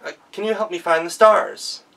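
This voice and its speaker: A man's voice: high-pitched, animated, normal speed, gravelly, a bit bright, far from the mic, voice pushed up, full character voice, rough recording. A man voicing a brave young girl on a quest, talking in an eager, pleading way.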